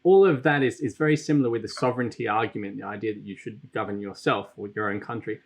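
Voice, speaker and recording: A man's voice: on the low side, fast. A man hosting an interview, putting questions and points to his guests in a conversational style. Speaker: interviewer, host.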